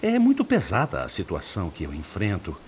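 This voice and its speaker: Hurt indignant older dad, brazilian radio drama, lowish voice that swings all over, very theatrical. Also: male voice, huge pitch swings, brisk, darkish tone, a little hiss or hum. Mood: pained, pleading. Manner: emphatic, theatrical, impassioned. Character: indignant, wounded older father, a spirit, venting grief.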